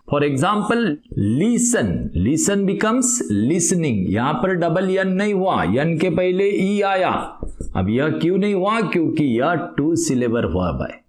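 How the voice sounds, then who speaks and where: A man teaching English grammar, asking questions and answering them himself, stretching out example words slowly. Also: high-pitched, echoey room. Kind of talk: explanatory lesson with questions to viewers.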